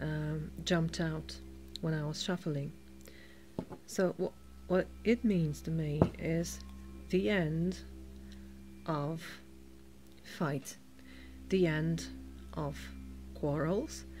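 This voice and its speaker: A woman with a Polish accent speaks very slowly, leaving long, frequent pauses, while music plays in the background. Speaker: tarot reader. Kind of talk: tarot reading monologue. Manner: halting, many fillers.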